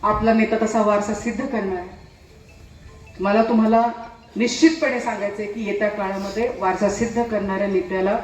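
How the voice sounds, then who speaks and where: A woman's voice: fairly high pitch, darkish tone. A woman giving an impassioned political speech to a gathering, pleading with the crowd in repeated rhetorical appeals. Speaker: political speaker at a rally. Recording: echoey, distant from the mic, light noise.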